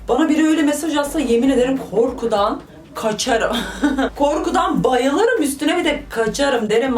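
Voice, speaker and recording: Brief: young woman vlogger, exclamatory comic commentary, recorded at a distance from the mic. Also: high-pitched. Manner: animated, joking, exclamatory. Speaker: vlogger reading viewer stories. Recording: roomy, voice from off the mic.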